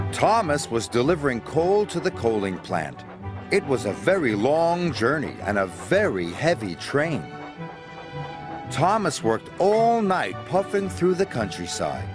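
Expressive older American storybook narrator. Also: male voice, mid-range voice, measured pace. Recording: narration with music underneath. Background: music.

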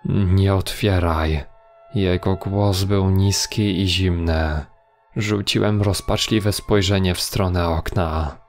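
A man reading a horror story in a measured, grave storytelling manner. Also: deep voice, steady tone. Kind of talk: scripted horror narration. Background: faint music.

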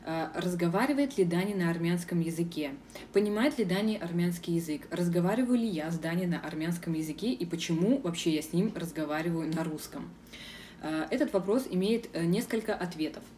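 A woman's voice: lowish voice, fairly quick, mellow, recorded from a distance, a little hiss or hum. A young woman from Russia answering viewers' questions in a casual vlog, frank and firm, with many hesitation sounds. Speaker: vlogger. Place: outdoors in a city square.

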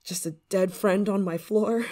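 Speaking directly to the listener in an ASMR roleplay monologue, a woman voices an affectionate novice witch who is flustered, worried, hesitant and fretful, stammering and sighing as she goes. Her medium-pitched voice is mellow and steady in tone, unhurried and close to how she'd normally talk.

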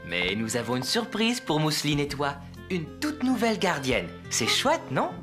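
A man voicing a patient young father in a French children's cartoon, gentle, reassuring and clearly articulated. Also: fairly high pitch, wildly swooping pitch, normal speed, music in the background. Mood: friendly. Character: patient, encouraging young father of a little boy.

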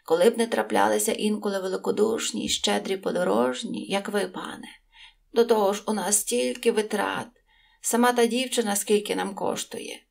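A woman voicing a greedy, scheming innkeeper's wife from a storybook, whining and fawning, pitched above her own voice. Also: normal speed, lightly acted.

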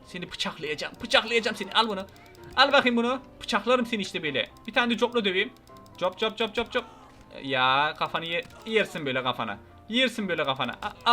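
A high-pitched, bright-voiced man rattling off excitable gameplay commentary. He jokes and shouts at the on-screen characters as he plays, with faint game music running underneath. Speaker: gaming YouTuber.

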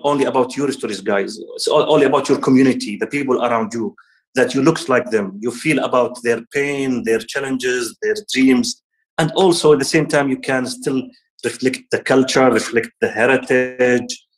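A man in his thirties from Palestine, speaking earnestly over a video call at an online ceremony, often halting and restarting words. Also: mid-range voice, poor audio. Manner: gestures with hands while talking. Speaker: guest speaker.

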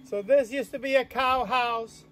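An older man guiding a walk outdoors, explaining plants and sights in halting, playful English. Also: extremely high pitch, steady tone. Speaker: tour guide. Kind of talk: guided walk commentary. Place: outdoors on a mountain path.

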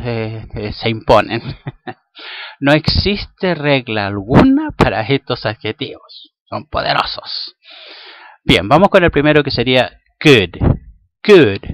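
A man's voice: medium pitch, dry recording. A man whose first language is Spanish, teaching an English grammar lesson in a playful way, repeating words aloud to drill pronunciation. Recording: dull lo-fi recording.

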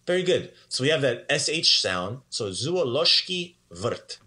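Bright-voiced upbeat man teaching. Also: mid-range voice, big pitch swings. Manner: upbeat, chatty, repeats words slowly for learners. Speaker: language teacher. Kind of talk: casual puppet-show language lesson.

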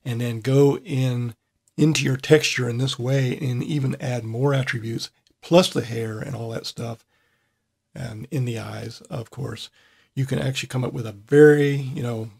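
A man hosting a casual screen-recorded tutorial, his voice at an ordinary middle pitch. He thinks aloud as he works, loose and unhurried. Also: vocal fry, slightly rough. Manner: thinking aloud with fillers and restarts, relaxed. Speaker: software tutorial host.

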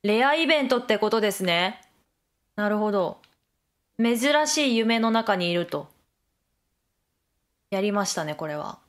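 A woman's voice: medium pitch, animated, a little slow, pauses often. A young woman giving Let's Play commentary, chatting to herself as she plays, often laughing and reacting with surprise. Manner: chatty self-talk, frequent laughter and surprised exclamations. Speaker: game streamer.

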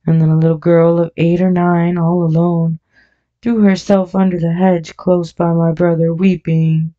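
A woman narrating an audiobook in a measured, deliberate scripted reading. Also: fairly low pitch, little pitch movement. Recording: dull lo-fi audio.

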